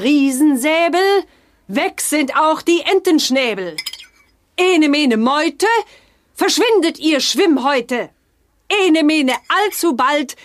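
A woman playing a practical, confident witch in a children's audio drama. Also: sits high. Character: practical witch mother, confident spell-caster. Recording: 1980s audio drama with background noise.

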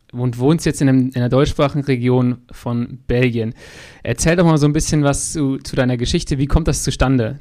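A man's voice: mid-range voice, a little mellow. A man hosting a podcast interview, chatty and joking, telling long anecdotes. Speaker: podcast host. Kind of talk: casual interview.

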